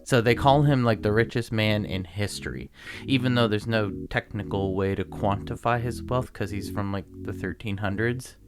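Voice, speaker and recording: A young man with a low voice, co-hosting a casual podcast. He tells the story loosely, reading from his notes, stumbling and laughing over hard names. Faint music plays underneath. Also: normal speed. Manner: reads facts aloud with stumbles, laughs at his own pronunciations. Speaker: podcast co-host.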